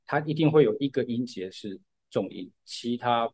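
A man's voice: medium pitch, animated, normal speed, a little mellow, breathy edge. A man, patiently explaining music in a casual podcast chat and using lots of fillers. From Taiwan. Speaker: podcast co-host.

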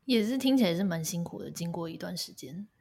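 A woman's voice: fairly low pitch, animated, fast, vocal fry, darkish tone, slightly rough. A woman co-hosting a casual podcast chat, listening closely and asking follow-up questions. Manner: attentive listener, short back-channel replies. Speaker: podcast co-host.

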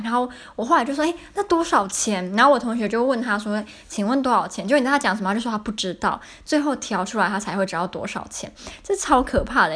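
A woman's voice: medium pitch, fairly bright tone. Young woman, Taiwanese Mandarin accent, chatty podcast host, casual storyteller. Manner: chatty, repeats herself, many fillers.

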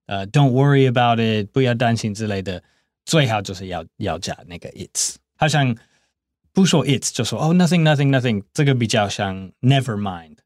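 A man's voice: lowish voice, expressive, normal speed, no room sound, clean studio sound. A man co-hosting an English lesson in a casual chat, switching between English and Mandarin with many hesitant fillers. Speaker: co-host and English teacher.

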